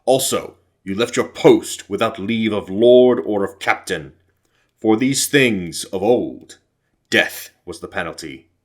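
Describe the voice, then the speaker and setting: Guy doing a stately merciful king from a fantasy audiobook, solemn n commanding, measured delivery. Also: lowish voice. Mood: grave, stern. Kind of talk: dramatic audiobook character reading.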